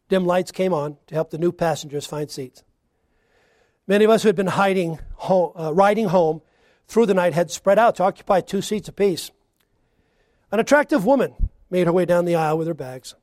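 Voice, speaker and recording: A man delivers a sermon in a slightly raised voice. He presses hard on key lines, then drops to a near hush. The recording is close and dry, with no room sound. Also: high voice, moderate pace, no room sound. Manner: emphatic preaching with swings from loud to hushed. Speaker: preacher.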